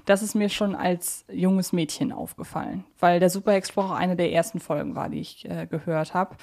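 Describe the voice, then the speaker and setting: A woman talking casually as a podcast co-host, explaining her points in a measured, conciliatory way. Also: lowish voice, steady tone, gravelly, a little mellow. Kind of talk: casual, discursive podcast discussion.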